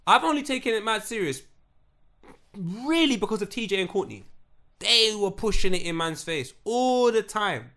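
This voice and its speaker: A man co-hosts a casual podcast. His voice sits a little high for a man, and he talks in a teasing, story-telling way. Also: sing-song, normal speed, sharp tone. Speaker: podcast co-host. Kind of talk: casual chat.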